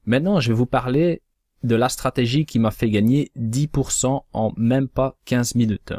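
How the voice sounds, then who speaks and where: A man giving a measured, cautionary voice-over that walks through trading charts. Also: mid-range voice, dark tone, no echo, clean studio sound. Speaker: crypto trading analyst. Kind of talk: scripted chart analysis voice-over.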